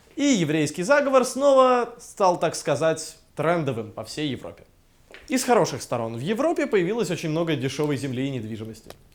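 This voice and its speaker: At a moderate pace, a man talks in a high pitch that swings very widely. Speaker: history video host. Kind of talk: scripted narration.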